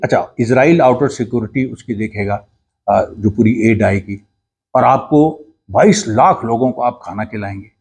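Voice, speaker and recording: A man giving an earnest, explanatory commentary monologue, pausing and restarting often. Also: medium pitch, darkish tone, slightly rough. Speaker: political commentator.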